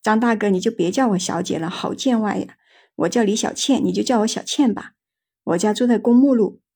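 A woman's voice: medium pitch, fairly quick, husky. A woman doing a coaxing ghost girl in white.

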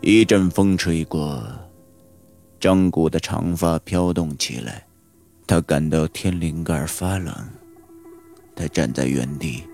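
A man narrating a horror audiobook in a slow, suspenseful storytelling manner. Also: extremely low pitch, a little mellow. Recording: audiobook with background music.

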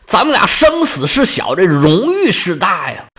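A man's voice: sits high, wildly swooping pitch, normal speed, pushed and bright, slightly rough, exaggerated voice. A man voicing a tense, dutiful male warrior who speaks earnestly. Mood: grim.

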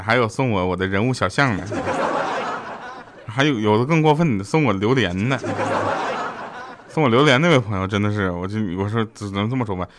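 Fast-talking joking man. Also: mid-range voice, background noise. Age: 30s. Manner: joking, chatty, laughs often. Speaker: podcast host. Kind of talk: comedic storytelling chat.

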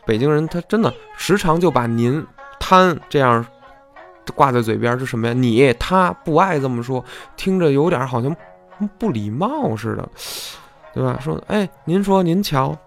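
A man's voice: mid-range voice, animated, normal speed, faint music behind. A man hosting a podcast, explaining in a chatty, folksy way and often asking his listeners "right?". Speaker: podcast host. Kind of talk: casual explanatory monologue.

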